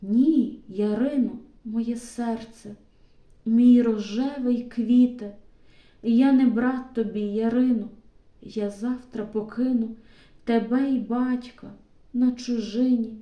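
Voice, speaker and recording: A woman's voice: fairly high pitch, fairly even intonation, slow pace, reverberant, highs cut off. A woman voicing a tender, earnest young Cossack man in an audiobook reading.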